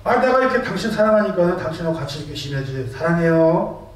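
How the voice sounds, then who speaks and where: A flustered husband stammers and pleads, caught out and fumbling for words, as a preacher puts him on. The high voice rings through a big echoey hall from a distant mic. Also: male voice, big pitch swings, fast.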